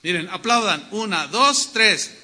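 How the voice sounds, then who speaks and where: A man with a Mexican accent preaching a sermon to his congregation, telling stories in a humorous, animated way. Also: sits high, measured pace, big-room sound, noisy background. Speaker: pastor. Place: church hall.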